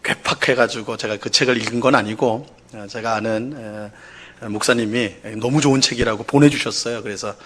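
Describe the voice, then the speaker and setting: A man preaching a Sunday sermon in a church, mid-pitched and conversational. He fills his talk with fillers and rhetorical questions, acting out quoted complaints in a raised, pleading voice. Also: steady tone, brisk, a bit bright, a little hiss or hum. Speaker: pastor. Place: church sanctuary.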